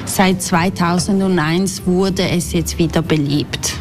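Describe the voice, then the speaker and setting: Lower-voiced female interpreter. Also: fairly even intonation, slow, music in the background.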